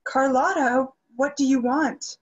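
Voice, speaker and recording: A woman's voice: high-pitched, steady tone, a little slow, slightly rough, lo-fi sound. A young woman acting a frightened, secretive opera singer in an emotional staged reading. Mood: startled. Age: young adult. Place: room at home. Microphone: computer mic on video call.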